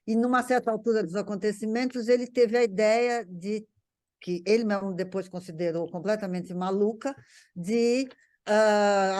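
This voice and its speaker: Older São woman, halting delivery. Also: mid-range voice. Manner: halting, repeats words while searching for phrasing. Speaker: guest recalling a parent's life. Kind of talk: casual reminiscing conversation.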